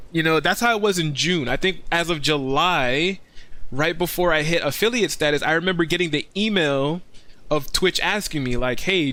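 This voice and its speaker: Chatty, bright-voiced male game streamer. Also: fairly high pitch. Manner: chatty and easygoing, rambling asides. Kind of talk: casual livestream commentary.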